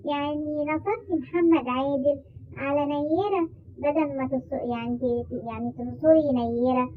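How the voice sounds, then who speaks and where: Egyptian woman, high-pitched, scolding commentary vlogger; lo-fi phone-like audio. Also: moderate pace, slight background noise. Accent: Egyptian Arabic. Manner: indignant, scolding, repeats herself. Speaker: video creator. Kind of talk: ranting commentary vlog.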